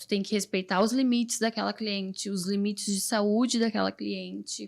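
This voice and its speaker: Her loudness swings widely as a woman talks at a moderate speed. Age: 30s. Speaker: lash designer and beauty educator. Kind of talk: podcast interview.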